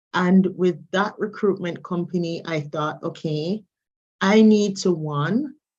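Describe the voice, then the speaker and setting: This woman speaks at a very slow pace in a Jamaican accent. Her pitch is medium, with ordinary variation. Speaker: immigration lawyer. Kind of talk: interview.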